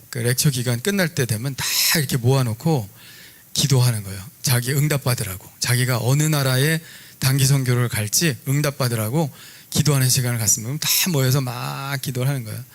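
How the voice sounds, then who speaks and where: A middle-aged man, a pastor, preaching a sermon in a relaxed, conversational storytelling way with lively asides. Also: medium pitch.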